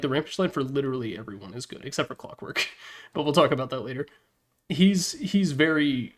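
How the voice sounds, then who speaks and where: A man giving casual, opinionated video game commentary as a presenter, speaking informally with slangy emphasis. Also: mid-range voice. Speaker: presenter ranking game announcer packs.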